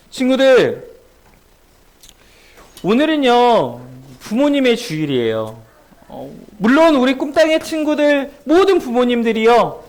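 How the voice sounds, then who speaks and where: A man, a children's pastor, giving a sermon at a children's church service. He tells stories and keeps asking the kids questions. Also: extremely high pitch. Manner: animated storytelling that asks children questions.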